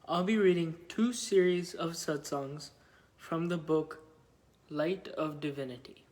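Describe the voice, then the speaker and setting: A man reading a written devotional account aloud in a measured, halting way. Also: on the high side. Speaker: reader of devotional testimonies.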